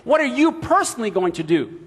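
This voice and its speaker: A middle-aged man moderating a conference panel on stage, telling stories with animated asides. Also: very high voice, slightly rough. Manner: animated storyteller, quick asides. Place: large conference hall stage with audience. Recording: long hall reverb, audience murmur.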